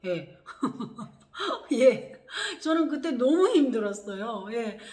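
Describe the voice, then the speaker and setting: A woman from Korea, telling her personal story in a lively way, acting out what others said. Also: on the high side, slow. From North Korea. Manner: animated, acts out quoted voices with gasps and laughs. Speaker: vlogger. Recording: echoey room.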